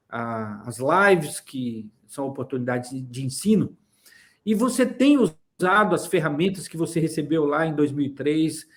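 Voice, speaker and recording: A man hosting a church interview who asks long, winding questions full of hesitations and fillers. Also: on the high side.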